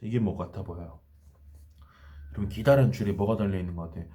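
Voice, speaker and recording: A man's voice: low voice, fast talker, mellow. A man preaching a children's sermon, telling the story and asking the children questions as he goes. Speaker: children's pastor.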